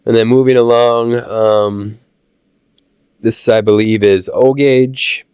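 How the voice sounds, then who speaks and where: A man with a Midwestern American accent, casually narrating a walk through a model train show, halting with fillers while he gets over a cold. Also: medium pitch, clean tone, no echo, clean studio sound. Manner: relaxed, halting with many "uh" fillers. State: recovering from a cold. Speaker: channel host touring a train show.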